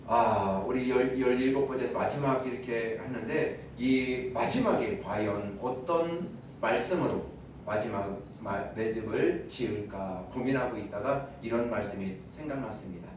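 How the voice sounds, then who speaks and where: A man's voice: mid-range voice, moderate pace. A man preaching a Sunday sermon, chatty and questioning, with an ordinary mid-range voice. He sounds set back from the mic, and the church hall rings with a strong echo under a faint hum. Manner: conversational, asks the congregation questions and chuckles. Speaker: pastor. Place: church sanctuary. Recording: very echoey room, voice from a distance.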